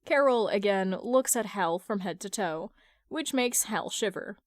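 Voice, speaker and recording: A woman reading fan fiction aloud in an expressive, colloquial storytelling style. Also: medium pitch, a little slow, dry recording.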